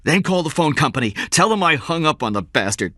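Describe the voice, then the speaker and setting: A narrator voicing a tense, forceful businessman father with an urgent, insistent delivery. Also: mid-range voice, sing-song, brisk, no room sound, clean studio sound, voice pushed up.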